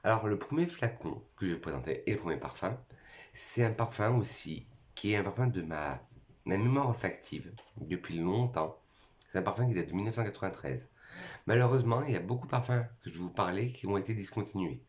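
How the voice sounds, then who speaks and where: A French man presenting perfume bottles in a casual vlog, a little hoarse from a cold, eagerly listing scent notes one by one. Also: lowish voice, lively intonation, a little fast. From France. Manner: enthusiastic, lists notes one by one. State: has a cold, voice cracking. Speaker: perfume YouTuber.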